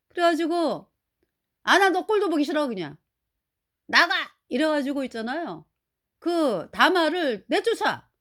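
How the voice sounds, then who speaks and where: Woman preacher, high lively voice. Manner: colloquial, acts out quotes, asks listeners for agreement. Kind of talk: sermon retelling a Bible story.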